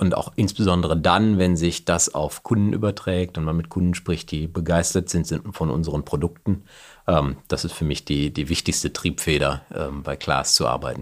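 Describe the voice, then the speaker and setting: A man is talking at a moderate pace. His voice is very deep and low. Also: fairly even intonation, very clean recording, silent background. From Germany, East Westphalia (Bielefeld). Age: 30s. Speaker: product strategy manager at a farm machinery maker. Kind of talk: interview.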